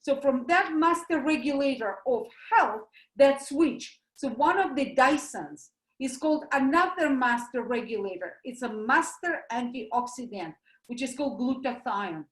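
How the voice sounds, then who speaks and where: A woman with a Russian accent giving an animated, emphatic health talk, explaining things through everyday comparisons. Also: sits high, a little slow, reverberant, poor audio. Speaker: doctor giving a presentation.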